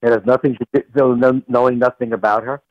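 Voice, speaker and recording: A man on speakerphone over a phone line, a comedy writer talking as a guest in a dry, deadpan way. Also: medium pitch, quick pace, dry recording. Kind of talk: casual call-in interview.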